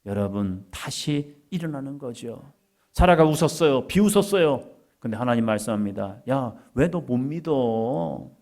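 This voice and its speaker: A male pastor preaching, acting out scripture dialogue in a slow, drawn-out, homey voice. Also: medium pitch, gravelly, darkish tone. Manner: dramatizing God's words in a slow, drawn-out homey voice. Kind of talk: sermon.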